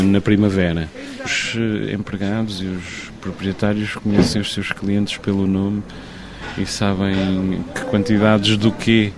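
A man from the Azores, a writer speaking thoughtfully in an interview, with some hesitations. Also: lowish voice. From Terceira, Azores. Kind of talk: reflective interview talk. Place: shop and street in town.

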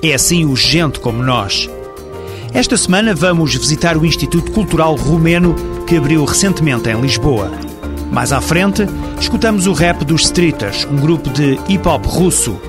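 Radio presenter over soft music. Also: male voice, on the high side. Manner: steady, measured reading. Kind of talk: scripted radio narration.

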